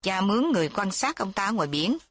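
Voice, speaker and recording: A woman's voice: medium pitch, very animated, quick pace, fairly bright tone, no echo, clean studio sound. A woman doing a harsh scheming old father. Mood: hushed scheming. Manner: gruff, scolding.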